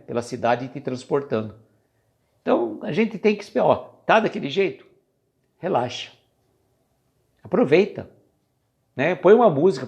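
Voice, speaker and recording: A man with a Brazilian Portuguese accent speaks in a casual spiritual reflection, talking to live-stream viewers. His pitch sits in an ordinary middle range. He is chatty and conversational and sometimes loses his thread. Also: darkish tone.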